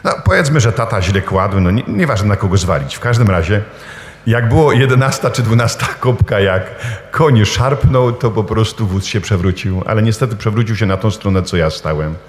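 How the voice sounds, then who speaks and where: A man preaches, his pitch rising and falling a great deal as he tells stories and throws questions to his listeners. His voice carries through a large hall with a long, echoing reverb. He mixes warm humor with emphatic appeals. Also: moderate pace. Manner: lively storytelling with rhetorical questions and humor. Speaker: priest preaching. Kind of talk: sermon.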